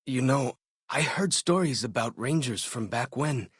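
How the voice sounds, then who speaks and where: A young male tribal scout from a video game, friendly and casual. His pitch moves around a great deal and he takes his time over his words. The voice is slightly husky, with a folksy, expressive manner. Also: unhurried, dry recording, studio quality, heavily acted. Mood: friendly, easygoing. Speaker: video game character voice actor. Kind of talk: in-game dialogue and combat barks.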